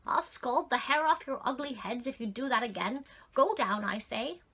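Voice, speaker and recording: A woman's voice: a little high, expressive, moderate pace, gravelly, sharp tone, exaggerated voice. A woman voicing a crooked little old man who growls and quivers with anger. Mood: furious.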